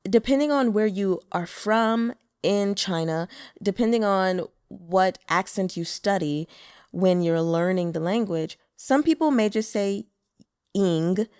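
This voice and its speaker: A woman's voice: medium pitch, measured pace, darkish tone, clean tone, dry recording, studio quality. A woman giving casual, chatty commentary as an audiobook narrator, explaining Mandarin terms. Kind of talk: casual commentary between chapters.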